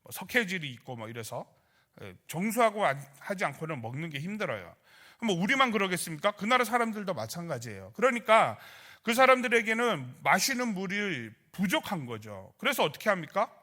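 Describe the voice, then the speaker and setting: At a midweek prayer service, a male pastor with a high, sharp voice preaches fairly quickly, his pitch swinging widely. He asks the congregation rhetorical questions and acts out members' grumbling and prayers in quoted voices.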